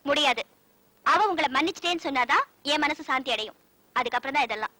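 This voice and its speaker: An actress playing a strict young bride in a film comedy, firm and lecturing. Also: female voice, high voice, animated, quick pace, sharp tone, no echo. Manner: firm, lecturing, proverb-quoting. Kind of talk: 1990s Tamil film comedy acting.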